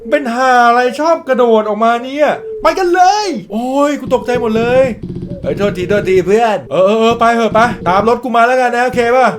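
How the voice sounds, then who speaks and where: High-voiced man doing playful game commentary. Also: fairly quick. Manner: jokey, crude, reads out in-game dialogue, yelps when startled. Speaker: gaming YouTuber.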